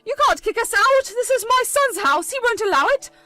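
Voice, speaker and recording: A woman voicing a scheming older mother-in-law who fakes illness, shrill and indignant. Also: moderate pace, fairly bright tone, no echo, soft background music.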